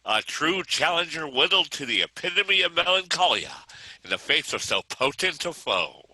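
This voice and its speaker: A man's voice: a little high, big pitch swings, normal speed, sharp tone, dry recording, heavily acted, rough recording. A man acting a pompous, theatrical sports commentator who gives grandiose mock commentary in a comic script read. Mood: pompous, mock-solemn.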